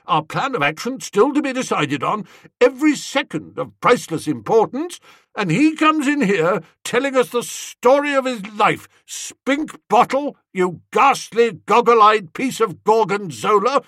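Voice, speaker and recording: A commanding older aunt with a big, booming voice and a high, swooping pitch, as a male reader puts her on. she fires off orders loudly and fast. the recording is close and dry. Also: sing-song, no room sound, full character voice. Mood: exasperated. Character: loud, imperious older aunt, hearty and bossy.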